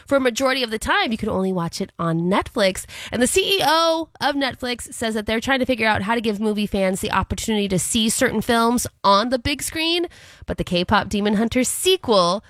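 A woman's voice: on the high side, expressive, brisk, fairly bright tone, no echo. A woman radio host talking through a cold in a chatty, upbeat way. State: recovering from a cold. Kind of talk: radio talk.

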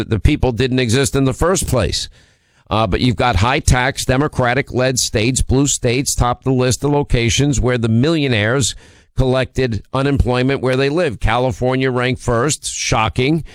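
Hoarse man hosting political talk radio. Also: medium pitch, no room sound. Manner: brash, combative, sarcastic asides. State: hoarse from a cold.

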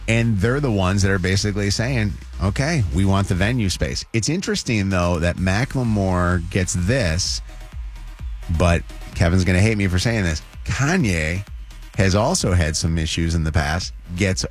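A man's voice: deep voice, lively intonation, moderate pace, soft background music. A man co-hosting a morning radio show, talking casually and hesitantly with many restarts. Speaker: radio co-host.

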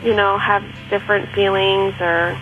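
A woman's voice: medium pitch, little pitch movement, normal speed, faint music behind. A woman in her late twenties calling a radio show, hesitant and lovesick. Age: 20s. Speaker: caller. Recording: muffled phone line.

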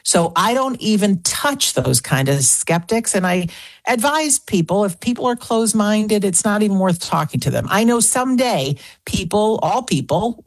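Woman, 60s, radio guest; low, gravelly voice, earnest, piles up examples. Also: no room sound. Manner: earnest, talks in lists and repeats phrases. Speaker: guest author. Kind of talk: radio interview.

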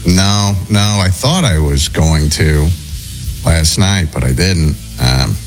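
A man hosting a morning radio talk show, sick and losing his voice, talking in a hesitant, halting way from the studio. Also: extremely low pitch, expressive, soft background music.

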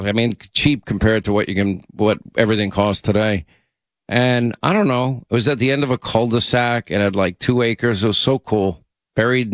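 A radio talk show host with a medium-pitched voice chats casually on a call-in show, rambling and interrupting himself. The sound is clean studio audio with no echo.

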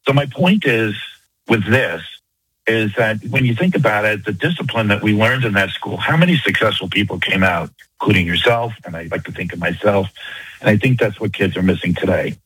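An older man with a New York accent, a retired caller phoning in to a talk radio show and making his point fast and earnestly. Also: on the low side, expressive, a bit bright, husky, no room sound, rough recording.

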